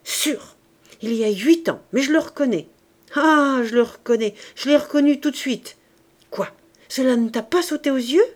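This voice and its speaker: A woman's voice: medium pitch, animated, unhurried, darkish tone. A woman reading aloud, voicing a domineering poor older man who speaks in a raised, agitated, commanding voice. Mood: excited, gloating.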